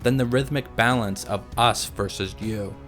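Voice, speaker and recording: A man narrating a scripted video essay in a measured, analytical way. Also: lowish voice, fairly bright tone, faint music behind.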